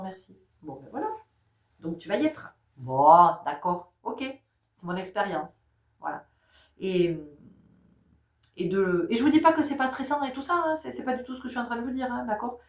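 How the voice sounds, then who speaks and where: A middle-aged woman with a stuffy nose from a cold, giving a casual spiritual talk that speaks directly to listeners and often breaks into laughter. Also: medium pitch. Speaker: spiritual guide. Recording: roomy sound, distant mic.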